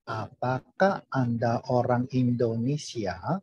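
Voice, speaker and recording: A man learning a language, carefully and haltingly reciting drill sentences over an online call. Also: mid-range voice, darkish tone, breathy edge. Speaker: language student. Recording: dull, roomy online call recording.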